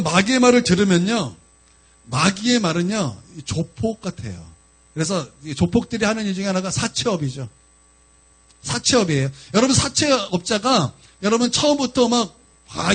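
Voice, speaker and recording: A man with a notably high, lively voice preaches with strong emphasis, calling out to his congregation again and again. His pitch rises and falls a lot as he presses his points. A faint mains hum sits under the recording. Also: slightly rough. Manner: emphatic preaching, often addressing the congregation directly. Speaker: pastor. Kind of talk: sermon.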